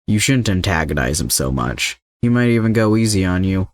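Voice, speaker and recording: Guy doing a calm older mercenary bad guy, lowish, manipulative, coaxing, audiobook. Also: brisk, no room sound, studio quality. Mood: calm, commanding. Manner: composed, coaxing.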